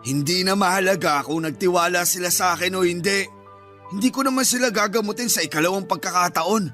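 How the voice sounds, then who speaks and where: A man's voice: sits high, a little fast, sharp tone. A man playing a dismissive uncle who sells fake herbal remedies in a radio drama. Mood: scolding. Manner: scolding, dismissive. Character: scheming uncle selling fake herbal cures. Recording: music underneath.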